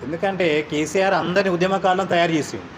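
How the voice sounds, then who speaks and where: A man's voice: high-pitched, fast talker, slight background noise. A man, an activist assertively arguing political points in an interview. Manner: assertive, argumentative.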